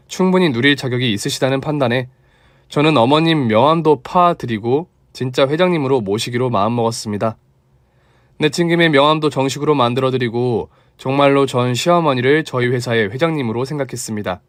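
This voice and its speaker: A man narrating a scripted life story in a calm, steady, reflective way. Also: mid-range voice, no room sound, clean studio sound.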